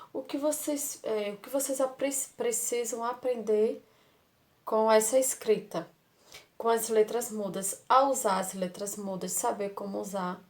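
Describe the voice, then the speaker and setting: A woman with a Brazilian Portuguese accent and a rather high voice with some vocal fry teaches young children. She is warm and patient, repeating words and posing rhetorical questions.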